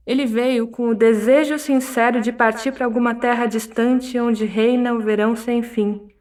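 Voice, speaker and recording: Brazilian woman podcast host, scripted narration, measured storytelling, voice a touch high. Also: darkish tone. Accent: Brazilian Portuguese.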